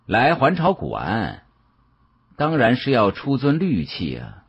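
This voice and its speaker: A man voicing a brash, cocky fellow in an audiobook, loud, blunt and provoking. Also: medium pitch, wildly swooping pitch, slow pace, breathy edge, dull audio, voice pushed up, exaggerated voice. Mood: bold.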